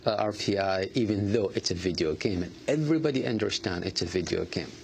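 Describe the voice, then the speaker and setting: A man answering interview questions earnestly, halting often with fillers and restarts. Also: low-pitched, gravelly, slight background noise. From Iraq. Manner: halting, many fillers and restarts, non-native grammar. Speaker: artist guest.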